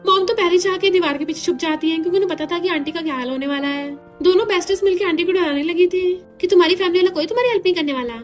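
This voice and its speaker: A woman casually retelling a drama plot in a quick, chatty way. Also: very high-pitched, soft background music. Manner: quick, chatty retelling with mixed English words. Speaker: drama recap narrator.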